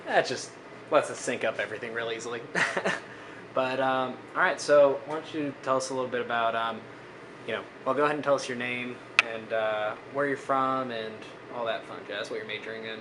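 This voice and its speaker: A male interviewer asks his questions casually, pausing often with fillers. His voice sits at an average middle pitch. A steady air-conditioning hum runs clearly under the recording. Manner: casual and hesitant, many ums.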